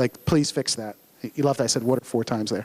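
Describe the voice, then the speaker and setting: The sound is dry and close, with no echo. A man with a Philadelphia accent speaks with ordinary pitch variation. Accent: Philadelphia accent, noticeable. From US, Philadelphia. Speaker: conference speaker on conversational AI. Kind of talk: conference presentation.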